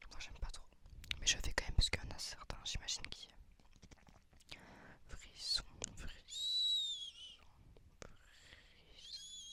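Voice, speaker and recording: Over noticeable background noise, the speaker moves at a fairly slow pace with long, frequent pauses. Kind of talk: ASMR trigger words. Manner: slow, repetitive.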